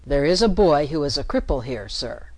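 A respectful old soldier-servant, voiced by a woman in her own low voice. He speaks with plain deference and a little more force than the narration. The sound is dry. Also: very animated, normal speed, a little mellow, no echo.

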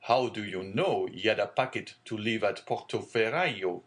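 A man's voice: fairly low pitch, normal speed, a bit bright, close to an everyday voice. A man voicing a genial, fatherly middle-aged shipowner.

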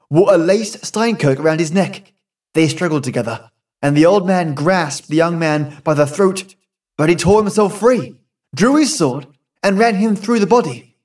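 An agitated young man who has just seen something terrible, as a male reader plays him. He talks urgently and excitedly in a higher voice. The sound sits a bit off the mic. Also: recorded from a distance, close to an everyday voice. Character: agitated young husband, shaken witness.

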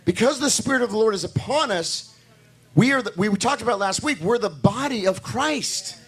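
Hoarse, high-pitched preacher man. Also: lively intonation, moderate pace, fairly bright tone. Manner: preaching with rising emphasis and repetition; talks to the congregation directly, asking for amens. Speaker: pastor. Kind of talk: sermon.

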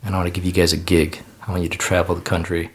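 A salesy male band manager making a pitch in a deep, plain voice, as a man puts him on. He talks eagerly and persuasively. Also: monotone, very fast, breathy edge. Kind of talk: comic storytelling.

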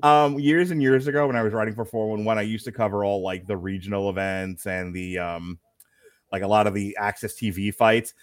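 A man's voice: fairly low pitch, steady tone, a little fast, no room sound. Chatty man hosting a fight stream. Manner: chatty, laughs often, jokey asides. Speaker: host of a live fight-night stream. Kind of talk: casual live commentary chat.

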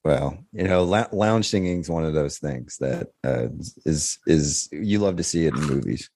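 A man's voice: very deep voice, lively intonation, moderate pace, mellow, dry recording. A man co-hosting a podcast, chatting casually with rambling conversational asides. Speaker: podcast co-host. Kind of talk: casual chat.

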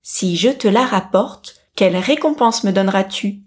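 A woman's voice: mid-range voice, expressive, moderate pace, lightly acted. A persistent male toad from a fairy tale who keeps pressing and coaxing to get what he was promised, as a woman reader voices him. His requests sound insistent, and he leans hard on his pleading.

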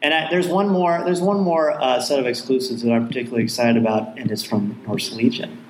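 A man's voice: medium pitch, fairly even intonation, fairly quick. A man hosting a live fan event, talking casually to guests and audience from a stage. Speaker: host of a live fan panel. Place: indoor convention stage before an audience. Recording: roomy live event space, background noise.

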